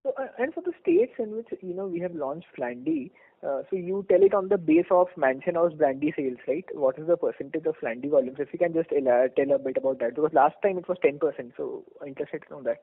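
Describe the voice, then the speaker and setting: An Indian-accented man puts questions as an analyst on a business call. His voice sits a little high, and he is polite and hesitant. The phone line sounds dry and narrow. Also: animated, quick pace, no echo. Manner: polite, hesitant questioning with frequent "you know". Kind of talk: earnings call Q&A. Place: conference call.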